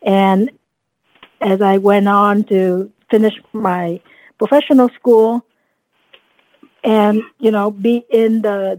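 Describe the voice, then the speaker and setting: Warm-toned earnest woman, storytelling. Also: mid-range voice, dry recording, low-quality recording. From Vietnam. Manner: earnest, reflective storytelling with many "you know" fillers. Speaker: guest, dentist and coach. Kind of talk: casual podcast interview.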